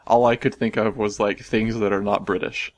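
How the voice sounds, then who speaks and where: A man's voice: lowish voice, little pitch movement, normal speed. An American man hosting a casual podcast, rambling and self-deprecating, laughing often. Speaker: podcast host.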